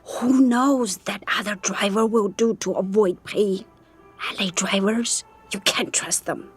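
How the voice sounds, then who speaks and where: A woman's voice: mid-range voice, unhurried, husky, faint music behind. A woman acting as a protective, evasive middle-aged aunt who runs a flower shop, blunt and teasing in clipped phrases, in an audio drama. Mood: prodding.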